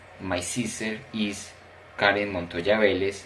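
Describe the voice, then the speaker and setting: Very slow speech from a man with a fairly low voice, plus audible room echo. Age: 20s. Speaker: language student. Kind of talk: self-introduction presentation.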